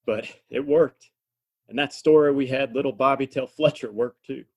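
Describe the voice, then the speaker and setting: Wily frontier cowboy, male actor, medium-pitched, casual, folksy radio-play delivery. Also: steady tone, normal speed, natural voice. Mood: pleased, sly. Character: easygoing, wily Old West cowboy. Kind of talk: audio play acting.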